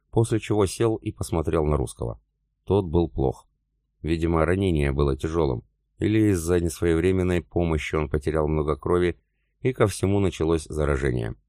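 Male audiobook narrator, extremely low voice, dry close sound. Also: dark tone, no echo. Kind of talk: scripted narration of a war novel.

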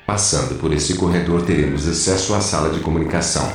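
Casting: actor as calm male squad leader, low voice, steady briefing tone, heavily reverberant audio drama. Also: fast. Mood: focused. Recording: very echoey, faint ambient noise.

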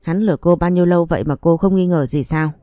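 A woman's voice: lowish voice, fast, no echo, clean studio sound, faint music behind, lightly acted. A woman reading a story aloud, voicing a stern young husband who speaks to his wife in a cold, accusing way. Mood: reproachful. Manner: cold, accusing, flatly reproachful.

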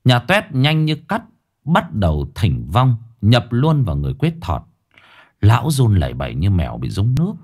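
A man narrating a folksy ghost story in a lively way. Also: on the low side, normal speed.

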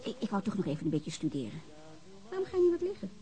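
A woman's voice: mid-range voice, huge pitch swings, racing, mellow. An actress playing a frank, inquisitive woman in a naturalistic radio drama, talking informally and probing with short questions. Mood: frank, coaxing. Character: frank, inquisitive woman hosting a guest at home.

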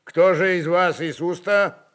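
A man's voice: sits high, a little slow, fairly bright tone, pitched above the performer's own voice. A bold Cossack ataman, acted by a male reader, mocking and sly. He takes his time over each phrase with an insolent drawl, as in a historical audio drama. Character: bold, mocking Cossack chieftain of about thirty. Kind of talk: dramatised literary reading.

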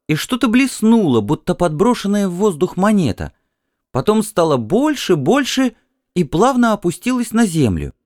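A man voicing an excitable dreamy Martian wife. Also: sits high, no room sound, studio quality, voice pushed up. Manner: breathless, wondering and insistent.

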